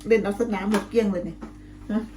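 A middle-aged woman, a little hoarse from calling, chatting casually to her viewers in a home vlog, friendly and talkative. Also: mid-range voice, steady tone, fast talker, over music. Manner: chatty, friendly, ends phrases with soft polite particles. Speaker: vlogger.

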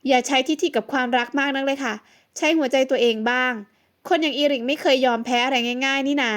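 A woman voicing a young model, a caring ex-wife who speaks softly, coaxingly and very politely. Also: high voice, fairly even intonation, fast.

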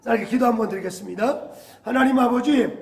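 A man, a pastor, giving a church announcement and prayer over a PA system in a preachy way with frequent drawn-out "ah" fillers. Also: extremely high pitch, gravelly. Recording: echoey church hall with music.

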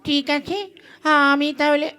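A woman playing a pouting, sly young wife in a puppet-show comedy, coaxing and quick to scold. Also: high voice, completely flat delivery. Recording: loud music under the dialogue.

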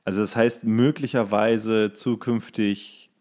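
A man co-hosting a comedy podcast in a casual, colloquial, joking way, often thinking out loud. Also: fairly low pitch, steady tone, slow pace. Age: over 21, adult. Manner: colloquial, joking, guessing aloud. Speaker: podcast co-host.

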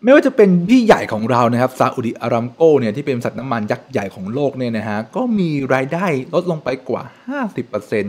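A young man who hosts a finance channel gives a casual explainer to camera at a fast pace, his pitch very lively. He sounds animated and chatty and uses frequent polite particles, speaking into a close desk mic in a room at home with shelves.

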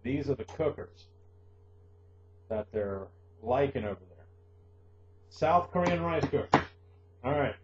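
A middle-aged man hosting a casual news lesson for English learners, joking sarcastically and pausing to explain words. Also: medium pitch, animated, roomy sound. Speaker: host of an online English lesson show. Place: small room at a desk. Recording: muffled, noisy webcam audio with hum.

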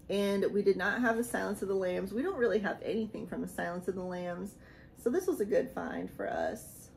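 A woman in her thirties chatting casually in a haul vlog from a small room, rambling and laughing, a little hoarse from losing her voice. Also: mid-range voice, slight background noise. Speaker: vlogger showing a haul. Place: small decorated room indoors.

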